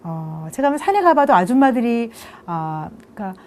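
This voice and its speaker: A middle-aged woman lecturing for an online course, her pitch rising and falling a great deal as she talks. Her tone is warm and mellow. She keeps asking her listeners questions and then answers them herself. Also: sing-song, normal speed. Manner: conversational, keeps asking "그죠?" for agreement.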